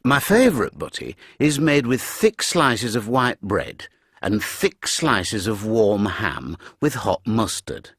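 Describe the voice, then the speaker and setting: A man from the north of England, speaking slowly and expressively in a scripted textbook monologue. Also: lowish voice, sing-song, a bit bright, slightly rough, no echo, studio quality. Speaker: speaker in a textbook listening exercise. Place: dry studio booth.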